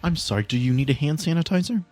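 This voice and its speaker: A man voicing a polite, welcoming female vampire office greeter, apologetic and a little halting, in a tabletop game. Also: a little high, animated, darkish tone, a little hiss or hum, pitched above the performer's own voice, natural voice. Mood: polite, helpful.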